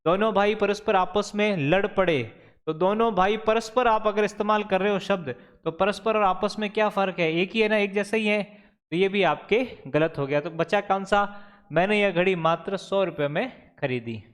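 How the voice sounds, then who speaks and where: A male teacher with a high, smooth, resonant voice explains exam answers one by one. He poses questions to his students and answers them himself, in a patient lecturing way. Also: normal speed. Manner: explains step by step, asks and answers own questions.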